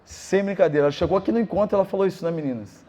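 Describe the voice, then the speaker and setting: A man, a pastor preaching a sermon, telling a personal story in an animated way. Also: high voice, racing.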